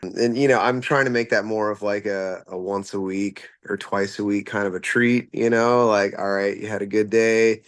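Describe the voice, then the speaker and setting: A man's voice: lowish voice, steady tone, normal speed, dry recording. A man who fronts a rock band, answering interview questions casually and rambling with plenty of fillers and restarts.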